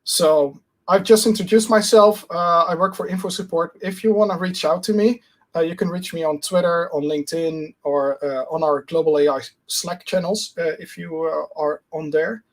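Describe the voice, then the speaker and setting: Guest speaker, male, a bit high, halting with lots of fillers, video call. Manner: hesitant, many fillers and restarts. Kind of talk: conference talk, casual.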